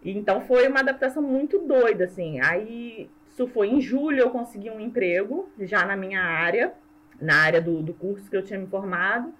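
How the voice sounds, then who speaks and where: A woman from Brazil with a Brazilian Portuguese accent, a language teacher chatting as an interview guest, self-mocking and quick to laugh. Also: mid-range voice, animated, fairly bright tone, low-quality recording. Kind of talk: casual conversational interview.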